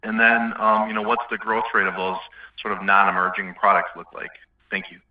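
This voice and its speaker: A man's voice: lowish voice, monotone, brisk. A man speaking as a financial analyst, politely putting a spontaneous question on an earnings call. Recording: roomy, dull phone-in call audio.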